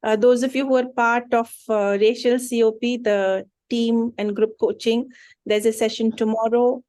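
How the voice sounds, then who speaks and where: A woman with an Indian English accent hosting an online meeting, brisk and friendly as she moves the session along. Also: a little high, steady tone, darkish tone, dry recording. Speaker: meeting host. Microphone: video call.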